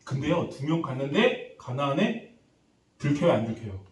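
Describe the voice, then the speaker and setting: A man preaching a revival sermon as a pastor, lively and acting out the people he quotes while quizzing the congregation. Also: on the high side, moderate pace. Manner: animated, acts out quoted voices, quizzes congregation. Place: church sanctuary. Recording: echoey church hall, distant mic.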